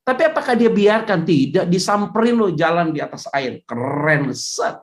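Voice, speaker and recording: A woman's voice: lowish voice, expressive, normal speed. A woman pastor, preaching a casual sermon in a chatty way, with joking asides.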